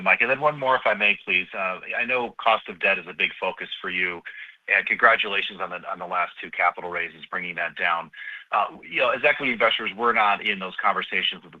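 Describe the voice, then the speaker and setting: A man's voice: low voice, pushed and bright. A polite male financial analyst asking a question on an earnings call, heard over a lo-fi line. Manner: polite, deferential.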